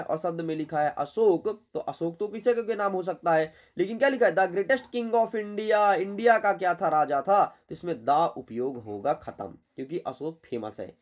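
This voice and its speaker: A male teacher works through an exam paper in a lesson. His voice sits on the higher side, and he talks in a blunt, chatty way, scolding his students as he goes.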